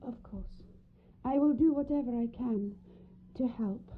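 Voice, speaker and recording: High-voiced, anxious young wife. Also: female voice, unhurried. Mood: earnest, guarded. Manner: polite, earnest, troubled. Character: anxious, earnest, genteel young married woman. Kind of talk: radio drama acting. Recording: tinny, narrow band like phone line.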